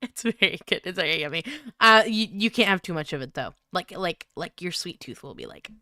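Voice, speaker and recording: Bright, clear-voiced woman streamer. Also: on the low side, lively intonation, a little fast, dry recording, studio quality. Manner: playful, chatty. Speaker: livestream host. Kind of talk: casual livestream chat.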